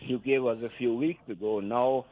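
An older man with a German accent phones in and talks. His voice comes through a thin, tinny phone line at an ordinary middle pitch. He rambles and stops often, with plenty of "uh"s and false starts. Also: steady tone. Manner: rambling, halting, many fillers and restarts. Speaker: caller. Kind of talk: casual phone chat.

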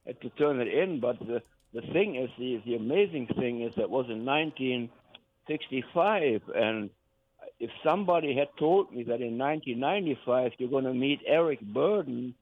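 A man's voice: mid-range voice, lively intonation, no room sound. Older German-accented man on a tinny phone line. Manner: rambling, halting, many fillers and restarts. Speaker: caller. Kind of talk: casual phone chat.

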